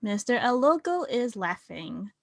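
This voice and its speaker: Female stage-direction reader, high voice, measured slow pace, dry close sound. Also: big pitch swings, creaky, no echo. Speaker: narrator. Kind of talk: reading stage directions aloud.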